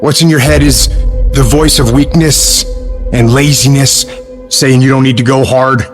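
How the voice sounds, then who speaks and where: Mid-pitched man speaking motivation over music. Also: steady tone, unhurried. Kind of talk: motivational speech.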